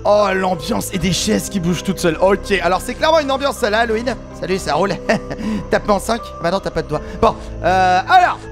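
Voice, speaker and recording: A man giving excitable, exclamatory let's play commentary as a gaming YouTuber, often shouting with excitement. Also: high voice, brisk. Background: game music.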